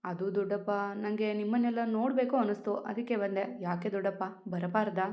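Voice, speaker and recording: A woman doing a gentle tearful young wife. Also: mid-range voice, fairly even intonation, brisk, close to an everyday voice. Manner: soft, pleading.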